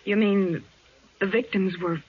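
A woman's voice: mid-range voice, steady tone, measured pace, natural voice. A woman playing an inquisitive, plucky detective's assistant with earnest, questioning delivery in a 1940s radio drama. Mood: puzzled, curious. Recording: muffled, noisy 1940s radio recording.

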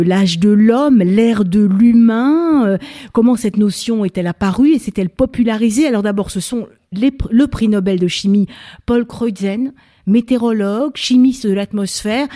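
A woman hosts a panel debate in a mellow, warm voice at a middling pitch. She speaks with plenty of fillers and restarts as she introduces her guests and frames the questions. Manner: hesitant, frequent fillers and restarts. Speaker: debate host. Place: library event venue.

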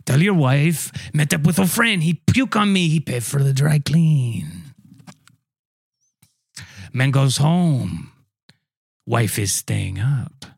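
A man doing a haughty gravelly French waiter. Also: fairly high pitch, expressive, dry recording, studio quality, full character voice. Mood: storytelling. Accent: put-on French. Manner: haughty, insulting, slow drawl. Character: pompous French male train waiter. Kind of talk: improv comedy.

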